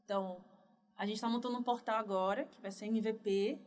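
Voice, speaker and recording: A woman from Northeast Brazil, a developer guest telling her career story in a relaxed, chatty interview. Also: medium pitch, brisk. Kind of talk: casual podcast interview.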